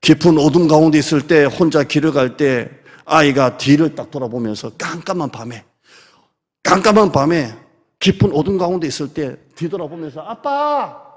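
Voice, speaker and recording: A middle-aged Korean pastor with a high voice gives a chatty Sunday sermon, now and then sinking into a hushed near-whisper. His words ring out with a long reverb in a church sanctuary. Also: a little fast. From South Korea. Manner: conversational preaching, drops to soft near-whispers.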